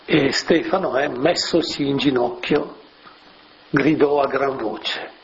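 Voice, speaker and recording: A man giving a homily on scripture in a conversational way, with rhetorical asides and soft fillers. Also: mid-range voice, slow pace. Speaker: preacher. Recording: muffled lo-fi recording with faint hiss.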